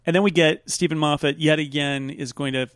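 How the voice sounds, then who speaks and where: A man co-hosting a podcast, chatting casually about a TV episode with quick asides, fillers and restarts. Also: fairly high pitch, steady tone, fairly bright tone, clean tone, dry recording, studio quality. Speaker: podcast co-host. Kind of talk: casual chat reviewing a TV episode.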